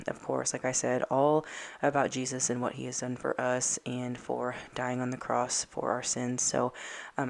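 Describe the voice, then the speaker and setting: Hoarse, gravelly woman vlogger. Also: rumbling low. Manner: soft, hesitant, many ums. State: losing her voice, dry throat. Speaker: home decor vlogger. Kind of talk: casual chat to camera.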